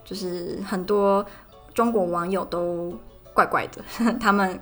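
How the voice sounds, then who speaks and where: A woman's voice: on the low side, fairly even intonation, takes it slowly, a bit bright. A young woman in her twenties with a Taiwanese Mandarin accent, hosting a casual podcast and ranting in a chatty monologue. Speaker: podcast host. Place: student dorm room. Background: faint background music.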